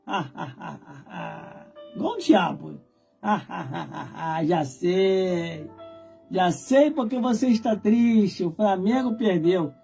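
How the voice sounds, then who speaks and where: A man's voice: lively intonation, mellow, soft background music. Preacher putting on a sneering old man. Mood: mocking. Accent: Brazilian Portuguese. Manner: deep, slow, cackling drawl. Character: mocking older man, scornful, sneering at believers.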